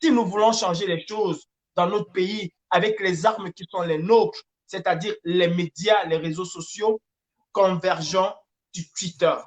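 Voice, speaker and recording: A man's voice: sits high, fairly even intonation, measured pace. Emphatic Francophone Cameroonian man making an appeal. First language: French. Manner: emphatic, repetitive, hesitating as he searches for words. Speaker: activist and campaigner. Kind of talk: impassioned political appeal.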